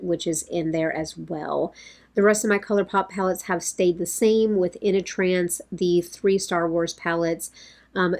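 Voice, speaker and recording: Casting: woman, 30s, lower pitch, a bit hoarse, chatty rambling vlogger at her desk. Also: a little mellow. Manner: rambling, talks with her hands. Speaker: beauty vlogger. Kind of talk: casual chatty talk to camera. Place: home makeup room, indoors.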